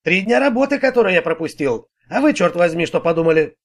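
A man doing a gruff, quarrelsome bricklayer. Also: high voice, expressive, fast. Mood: irritated. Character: irritable middle-aged male bricklayer.

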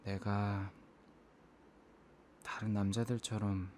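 A man in an ASMR role-play as an apologetic, self-blaming young boyfriend, speaking in a soft, intimate, hesitant murmur. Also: lowish voice, little pitch movement, takes it slowly, a little hiss or hum.

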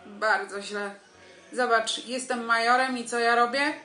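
An actress plays a stern female army major in a radio comedy. Her voice is bright and fairly high, with clipped, commanding, deadpan questions. It is a roomy home recording with some music. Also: unhurried.

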